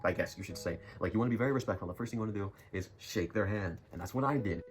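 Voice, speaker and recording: A man's voice: on the low side, very fast. A young man telling a rambling school story in a casual vlog, full of jokey, self-mocking asides. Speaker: YouTuber. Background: music.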